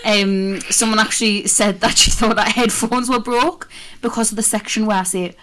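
A woman's voice: medium pitch, steady tone, normal speed, fairly bright tone. Giggly, teasing woman podcast co-host. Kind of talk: casual banter.

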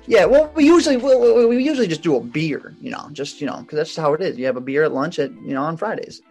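A man's voice: fairly high pitch, expressive, fast talker, a little mellow, faint music behind. A man co-hosting a podcast, telling a story in loose, slangy, rambling casual chat full of fillers. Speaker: podcast co-host.

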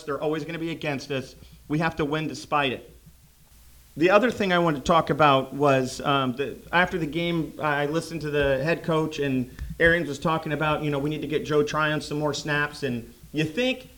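A passionate man hosts a casual sports podcast, with a slightly raised pitch. He talks in an opinionated, ranting way, pushing his voice up when he gets worked up. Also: fairly bright tone. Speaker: podcast host.

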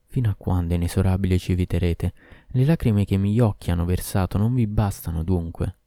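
Lovesick sorceress queen from a storybook, a guy doing her, dark mellow voice, pleads and laments. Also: sits low, brisk, no room sound, studio quality. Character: lovesick sorceress queen, woman, passionate and cruel.

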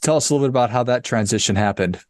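A man's voice: mid-range voice, racing, darkish tone, dry recording. A man hosts an interview with a mid-range voice, recorded dry and close. He reads an introduction and then asks short, friendly questions. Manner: friendly, brief prompting questions. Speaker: podcast host. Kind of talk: interview hosting.

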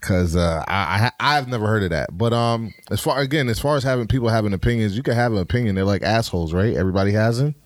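A man's voice: lowish voice, fast, hardly any pauses, no echo, studio quality. A man with an African American New York accent in casual podcast chat, slangy, profane and outspoken. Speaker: podcast co-host.

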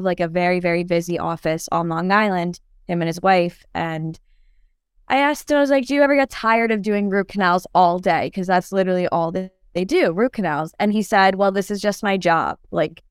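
A woman's voice: on the low side, clear, resonant tone, no room sound, clean studio sound. A young woman, born in Turkey and raised in New York, chatting as a dental student guest on a podcast, full of "like" and "um". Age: young adult. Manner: chatty, lots of "like" and "um" fillers. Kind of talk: casual podcast interview.

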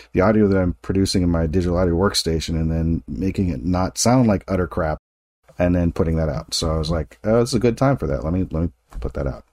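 A man's voice: sits low, fairly quick, a little mellow, dry recording, clean studio sound. A man in his late forties hosting a casual interview, talking in a rambling, self-correcting way with frequent laughs. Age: 40s. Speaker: podcast host.

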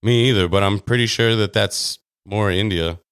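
A man co-hosting a podcast in casual banter, blunt, jokey and quick to swear. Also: on the low side, a bit bright, smooth. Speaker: podcast co-host.

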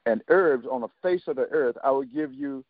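A man in his seventies, a guest on a talk radio show, telling his story haltingly with many fillers and restarts and quoting others in dialogue. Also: mid-range voice, dry recording. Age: 70s. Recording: dry, tinny phone line.

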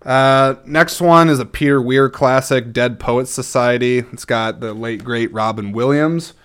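A man's voice: medium pitch, a little slow, a bit bright. A man hosting a casual solo vlog, rambling along in a chatty, enthusiastic way as he gives his opinions. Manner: enthusiastic, chatty, frequent throat-clearing. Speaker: host reviewing own movie collection.

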